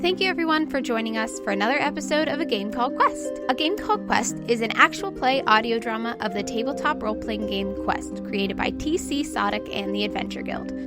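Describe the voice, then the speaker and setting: A woman hosting as game master of a tabletop audio drama, narrating to listeners over a soft background bed. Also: a little high, lively intonation, fairly quick, few pauses, over loud music. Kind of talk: narrating an actual-play game, then scripted credits.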